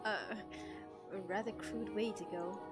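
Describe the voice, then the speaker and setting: A woman streamer reading a visual novel aloud and reacting in an animated, teasing way, swearing freely. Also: mid-range voice, unhurried. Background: music.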